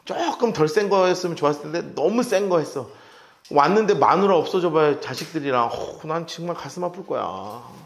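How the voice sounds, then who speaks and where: A middle-aged male pastor teaching a Bible-study sermon in a church. His pitch sits a little high and swings widely, and he acts out the cries as he tells the story. Now and then he stops to tell his listeners which verses to mark. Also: brisk. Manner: animated storytelling with shouted acted-out cries. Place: church sanctuary.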